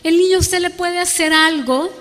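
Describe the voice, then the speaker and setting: A woman's voice: very high-pitched, normal speed, fairly bright tone. A woman guest preacher delivering a fervent evangelical sermon, asking her congregation rhetorical questions and calling them brothers and sisters. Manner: addresses listeners as brothers and sisters. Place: church. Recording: long reverb of a church hall.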